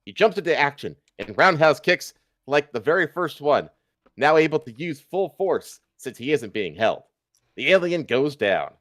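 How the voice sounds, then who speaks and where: A man's voice: a little high, normal speed, no room sound, clean studio sound. A man streaming a live fan fiction reading, stumbling over lines and tossing in irreverent comments. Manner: irreverent, animated, stumbles and rereads. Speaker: streamer, host.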